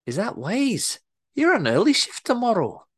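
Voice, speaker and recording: A man voicing a bossy, predatory woman manager in a put-on Scottish accent, husky and murmuring. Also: high voice, wildly swooping pitch, moderate pace, pitched above the performer's own voice, heavily acted. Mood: pushy. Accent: attempted Scottish.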